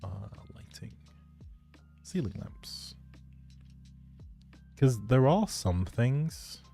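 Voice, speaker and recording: Man, dark relaxed timbre, casual livestream gaming chatter, musing aloud, addressing viewers, faint music behind. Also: medium pitch, very slow, vocal fry. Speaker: game streamer. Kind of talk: casual livestream chat while playing a life-simulation game.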